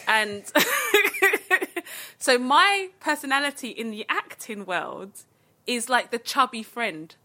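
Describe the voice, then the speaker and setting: A woman with an Essex accent speaks in a bright, fairly high voice. She is bubbly and dramatic, telling anecdotes in loose, casual chat with a self-deprecating streak. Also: lively intonation, unhurried. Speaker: interview guest.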